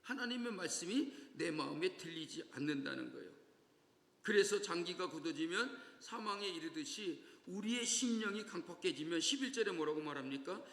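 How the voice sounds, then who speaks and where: A male pastor giving a sermon in a church, lively and often asking the congregation questions. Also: high voice, normal speed, vocal fry. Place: church sanctuary. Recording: echoey church hall reverb.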